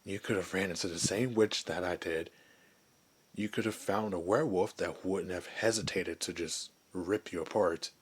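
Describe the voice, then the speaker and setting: A man playing a gentle, lonely werewolf who was once human, in a soft, hesitant, confiding ASMR roleplay voice. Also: low voice, fairly even intonation, moderate pace, husky. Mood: reflective, warning. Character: gentle, lonely male werewolf, former human, wistful outcast.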